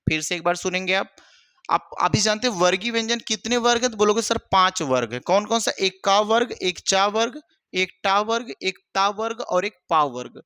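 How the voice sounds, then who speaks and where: A man's voice: high voice, sharp tone, clear, resonant tone, no room sound. A male teacher giving an exam-prep grammar lesson, asking the class questions and answering them himself, with a lot of repetition. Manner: repetitive, asks and answers his own questions, calls students brother.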